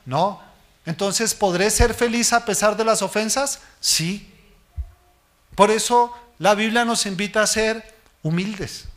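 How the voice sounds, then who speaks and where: A man preaching a sermon as pastor, asking the congregation questions and answering them himself, and letting his voice fall low and soft at the ends of phrases. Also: slow. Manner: speaks directly to the listener as "hermano".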